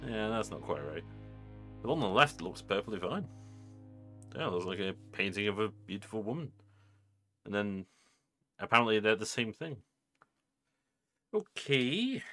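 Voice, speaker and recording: A man with a lowish voice reacts casually to a video, rambling and hedging as he talks. Clear guitar music plays behind him. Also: brisk, long pauses, sharp tone. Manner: chatty, rambling, with hedges and fillers.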